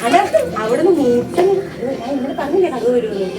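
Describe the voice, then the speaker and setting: A woman's voice: a little high, expressive, brisk, distant mic, a loud crowd. A woman vlogging at home as a mother, coaxing and scolding her small child. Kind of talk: casual home vlog. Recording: loud background noise.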